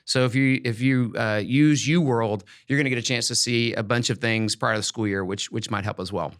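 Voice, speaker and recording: A man's voice: mid-range voice, a bit bright. A man hosting a podcast, chatting casually and giving encouraging, emphatic, folksy advice about teaching. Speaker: podcast host and education expert.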